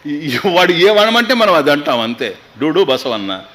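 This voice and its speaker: A man giving a scriptural discourse as a swami. He chants Sanskrit lines slowly, then explains them quickly with humor. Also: a little high, sing-song, a bit bright.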